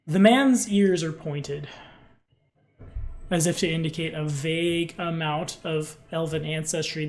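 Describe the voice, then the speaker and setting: A man acting as game master, improvising descriptions in an informal, halting way. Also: fairly high pitch, a little mellow. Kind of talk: improvised tabletop game narration.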